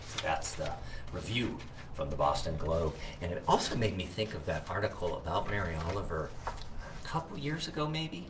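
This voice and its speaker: Low-voiced man, distant and noisy recording. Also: lively intonation, moderate pace. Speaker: Unitarian Universalist minister. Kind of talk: informal video talk with poetry reading. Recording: distant mic, loud background noise.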